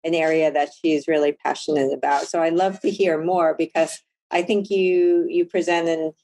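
A woman's voice: low-pitched, steady tone, moderate pace, warm tone. A middle-aged woman coach on a video call, musing aloud and agreeing with others, with many "you know"s. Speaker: master coach, panel guest. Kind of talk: panel discussion.

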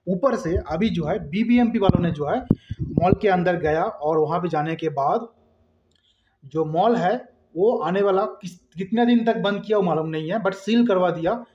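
Male vlogger, thirties, high-pitched voice, casual and repetitive delivery, recorded on a phone in a roomy space. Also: normal speed, dull audio. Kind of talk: casual opinion vlog to camera. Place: small room indoors. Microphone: phone at arm's length.

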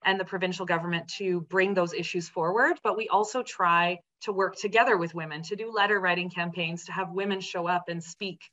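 A woman's voice: fairly low pitch, steady tone, fairly quick, few pauses, a bit bright. A woman in her thirties from the Netherlands, a guest speaking earnestly over a video call with frequent ums and restarts. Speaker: guest, executive director of a women's centre. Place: home room with colourful art on walls. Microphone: laptop webcam video call. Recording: dull lo-fi video call audio.

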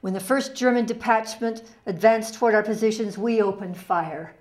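Older woman reading as steadfast ghetto fighter, medium pitch, grave, deliberate, reflective dramatic reading. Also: a little mellow, lightly acted.

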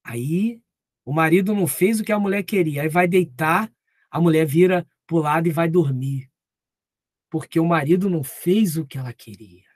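A man's voice: fairly high pitch, no room sound, studio quality. A man preaching at a live Bible study, talking conversationally and acting out little dialogues. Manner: conversational, acts out quoted dialogue.

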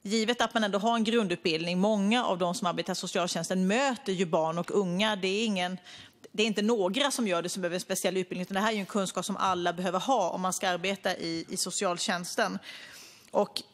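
A middle-aged woman minister giving a measured parliamentary debate speech with many hesitations, speaking into a podium microphone in a parliament chamber. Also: medium pitch, steady tone. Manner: measured, hesitant with frequent fillers. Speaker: government minister.

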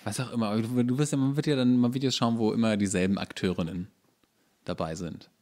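A man's voice: mid-range voice, quick pace, warm tone. A man chatting casually as a podcast co-host, hesitant and often repeating the starts of his phrases. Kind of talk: casual comedic podcast banter.

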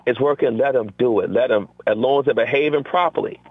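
Talking fast with a breathy edge, this mid-range male voice belongs to a middle-aged teacher guesting in a conversational interview. He's energetic and acts out classroom quotes from himself and his students. The recording is dry and sounds like tinny phone-line audio.

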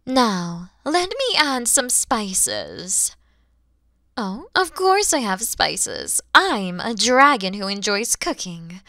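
Centuries-old dragon mother played by a woman for ASMR roleplay: proud but kind, unhurried, very expressive pitch, breathy touches. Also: no room sound, studio quality, exaggerated voice. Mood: warm, hospitable. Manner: breathy, often dropping into whispers, theatrical pauses.

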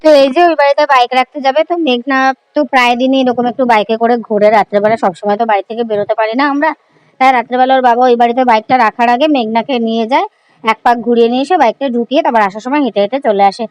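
A woman in her thirties, a vlogger and mother, narrates her day casually, rambling through everyday details in a slightly high, darkish, smooth voice at a rapid-fire pace. She starts at home and later heads out onto a street at night, recorded on a noisy phone that picks up street sounds.

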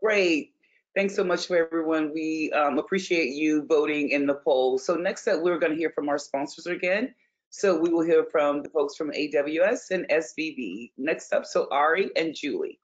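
A man hosting an online pitch event, upbeat and running things along with some fillers. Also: moderate pace. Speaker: event host. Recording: dull lo-fi video call audio.

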